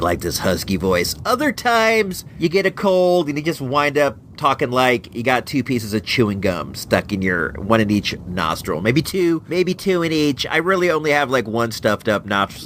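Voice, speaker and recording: A man's voice: mid-range voice, a little hiss or hum. A man hosting a podcast in a casual, joking ramble, all stuffed up and nasal from a cold. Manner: playful, rambling, animated. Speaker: podcast host. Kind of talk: casual comedic monologue.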